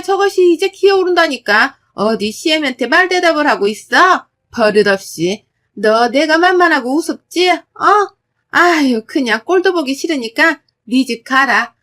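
A woman voicing a shrill, contemptuous older mother-in-law who screeches and scolds. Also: fairly bright tone.

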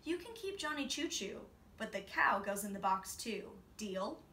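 An exasperated picture-book mom, as a woman reader puts her on. She is firm and weary, giving orders in a bright, forceful voice. The sound is distant from the mic. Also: mid-range voice, expressive, moderate pace. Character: exasperated, firm mother of a young boy. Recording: roomy, off-mic, faint noise.

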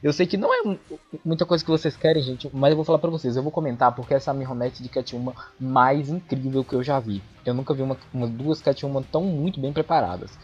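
A man's voice: medium pitch, fast talker, slightly rough. Chatty man on an old mic. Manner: excitable, chatty, swears often. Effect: dull lo-fi sound from his old microphone. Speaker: YouTube fighting-game commentator. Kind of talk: casual esports match commentary. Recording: dull lo-fi microphone, faint music behind.

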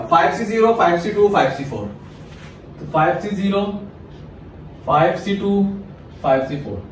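A man's voice sitting high comes from far off in a very echoey room, with slight background noise. He's a math teacher with a Pakistani Urdu accent, lecturing a class step by step and answering his own questions.

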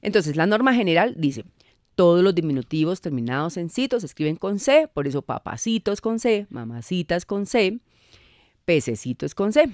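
A woman's voice: on the low side, big pitch swings, normal speed, a little mellow, no room sound. A Colombian woman explaining spelling rules patiently as a guest on a radio show, speaking in a studio. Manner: patient, didactic, laughs easily.

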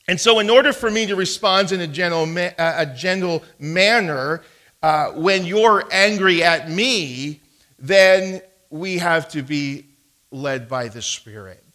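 A man preaching from the pulpit of a church, his voice bright and ringing, a little higher than most men's. He takes his time, leaning into key phrases and restarting sentences as he tells a story to his congregation. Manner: storytelling preacher, emphatic, with frequent stammered restarts. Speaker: pastor. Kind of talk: sermon. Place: church sanctuary.

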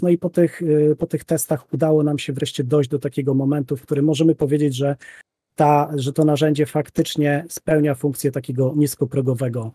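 A man's voice: medium pitch, dark tone, husky, dry recording. A man in his thirties chatting casually as a guest on a podcast, close on the mic. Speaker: guest game master. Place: indoor room, video call.

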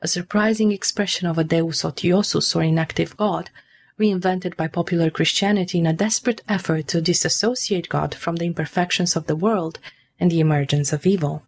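Female narrator, lowish pitch, formal measured storytelling, scripted read over light ambient noise. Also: steady tone. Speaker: narrator of a mythology video.

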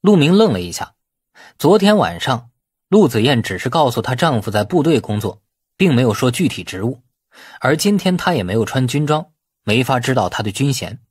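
A man reading a novel aloud as expressive scripted narration. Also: medium pitch, normal speed, slightly rough, no echo, studio quality. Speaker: audiobook narrator.

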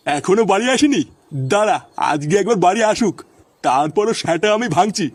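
A man's voice: high voice, animated, a little fast, shouting, noisy background. A man voicing a foul-mouthed, hot-tempered husband in a comedy cartoon, complaining crudely. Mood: grumbling, irate.

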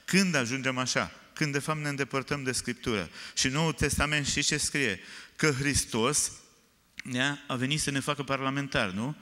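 A man preaching a sermon, telling stories with animated, often loud emphasis, recorded in a church. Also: mid-range voice. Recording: reverberant church hall.

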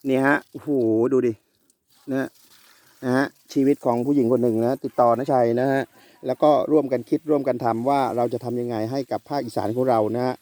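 A man's voice: mid-range voice, dark tone, dry recording. A middle-aged man hosting a casual farm vlog outdoors in a chili field, chatting, tagging phrases with polite particles and drifting into moral lecturing. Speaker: farm video host and chili seed promoter.

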